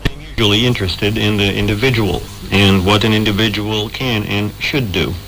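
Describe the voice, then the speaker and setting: A man speaking in a measured, reflective way in a broadcast interview. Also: on the low side, fairly even intonation, fairly bright tone, rough recording.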